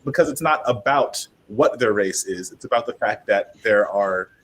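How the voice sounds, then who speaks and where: A man's voice: moderate pace, fairly bright tone. A man speaking informally and emphatically as a panelist in a casual discussion. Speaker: panelist, audio drama creator. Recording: clear background noise with low rumble.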